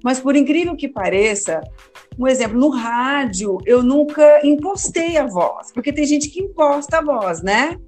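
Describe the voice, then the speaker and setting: A woman's voice: high-pitched, expressive, a little slow, darkish tone, soft background music. A woman, a teacher and former radio host, answering interview questions in a casual, hesitant way, often repeating words. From Amazonas, Brazil.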